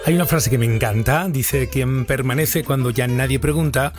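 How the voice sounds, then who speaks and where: A man hosting a late-night call-in radio show, calmly encouraging his caller. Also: medium pitch, normal speed. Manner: calm, encouraging interviewer. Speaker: radio host. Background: music.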